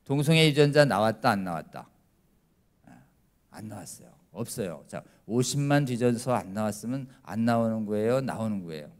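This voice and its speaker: At a church prayer meeting, a middle-aged male lawyer lectures with a fairly low, expressive voice at a normal pace. Volume shifts from loud to quiet as he poses questions to the congregation and performs quoted voices.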